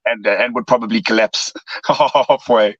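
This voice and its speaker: Guy with a wrecked hoarse voice, stop-start talk, dull dry sound. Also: mid-range voice, steady tone, fairly bright tone, no room sound. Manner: halting, with many repeats and restarts. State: hoarse, has lost his voice. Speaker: guest cyclist. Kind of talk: radio interview.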